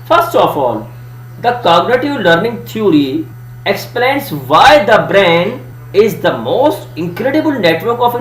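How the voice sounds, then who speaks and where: A man with a South Asian accent, a native Urdu speaker, delivers a lesson as a presenter. His voice sits high and swings widely as he stresses key terms in a didactic way. The room is echoey around him. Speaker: student presenter giving a lesson. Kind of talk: educational presentation. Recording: echoey room, faint hum and hiss.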